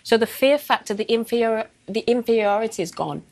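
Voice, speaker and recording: A woman's voice: fairly high pitch, brisk, darkish tone. Direct woman pundit. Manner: firm, direct points. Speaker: football pundit. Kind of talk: post-match studio analysis. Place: TV studio above a stadium. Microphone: lapel.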